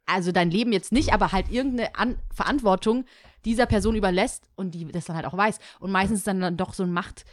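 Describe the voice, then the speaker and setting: A woman's voice: mid-range voice, fast, no room sound, clean studio sound. A woman in casual chat, talkative, agreeing often and retelling stories.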